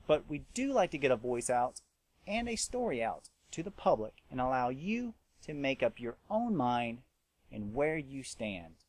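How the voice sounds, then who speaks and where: A man's voice: mid-range voice, big pitch swings, unhurried, darkish tone. Earnest man hosting a talk show. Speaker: host. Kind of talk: scripted introduction and interview.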